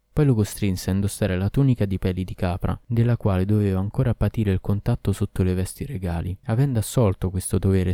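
A man narrating a folk tale audiobook in a steady, measured way. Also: on the low side, no echo, clean studio sound.

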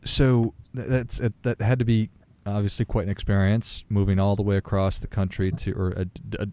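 A man's voice: fairly low pitch, flat delivery, normal speed, darkish tone. A man hosting an interview podcast, introducing and questioning in a conversational way. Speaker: podcast host.

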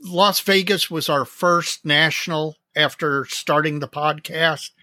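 A man co-hosting a hobby podcast, earnest and friendly as he rambles along with fillers. His voice is fairly high and strikingly bright. It is recorded close and dry. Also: takes it slowly, dry recording. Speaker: podcast co-host. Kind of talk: casual podcast chat.

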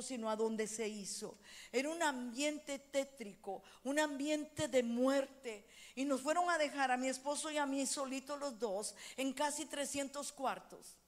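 A middle-aged woman pastor preaching a sermon, moving between loud fervent exhortation and quiet personal storytelling. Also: sits high.

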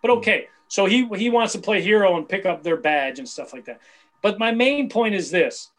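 A man in his fifties talks sports in a blunt, combative, boastful way, as a guest on a talk show. His voice sits high for a man. He sounds heated and sure of himself throughout. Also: lively intonation, moderate pace, a bit bright. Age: 50s. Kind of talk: heated casual sports chat.

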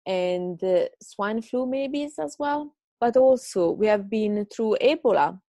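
Italian-accented woman, gravelly and dark. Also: medium pitch, expressive, a little slow, no room sound, clean studio sound. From Italy. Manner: chatty, self-mocking, encouraging. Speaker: podcast host. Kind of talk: casual advice monologue. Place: home.

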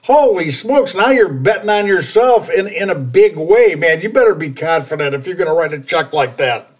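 A man's voice: fairly high pitch, lively intonation, normal speed. A man hosting a casual interview, rambling in a folksy way and often stammering and repeating his words. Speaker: podcast host.

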